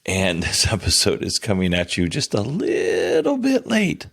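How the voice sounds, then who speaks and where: A man hosts his own podcast with a very low voice, hoarse because he is losing it. He talks casually and rambles with plenty of fillers, apologizing to his listeners. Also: huge pitch swings, a little slow, a bit bright. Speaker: podcast host. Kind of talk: casual solo podcast talk.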